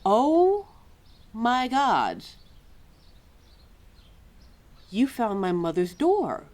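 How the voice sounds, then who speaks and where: A woman's voice: fairly high pitch, huge pitch swings, slow pace, darkish tone, exaggerated voice. A woman playing a scatterbrained, centuries-old keeper of forgotten lore in a roleplay audio drama, flustered and hesitant as she talks to a listener. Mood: overwhelmed, wistful.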